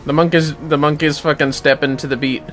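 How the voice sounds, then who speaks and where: A man's voice: on the high side, level tone, fairly quick, fairly bright tone. A man casually chatting to viewers on a gaming livestream, rambling and swearing as he talks to himself. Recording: music playing behind the voice. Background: clear music.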